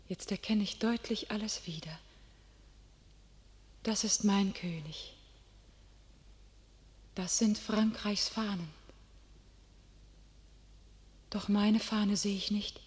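An actress playing a pious, fervent young captive warrior maiden in a classic radio play, declaiming solemnly. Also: female voice, medium pitch, darkish tone, in a large hall, lightly acted. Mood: frail, rapt.

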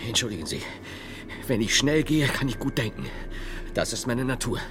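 An actor playing a solemn, learned medieval monk in a radio play, speaking in a formal, pondering and deliberate manner. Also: male voice, medium pitch, big pitch swings, lightly acted.

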